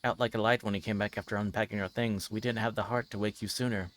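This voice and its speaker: Male streamer, fairly low voice, casual chat, reading game text aloud, halting delivery. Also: fairly even intonation, a bit bright.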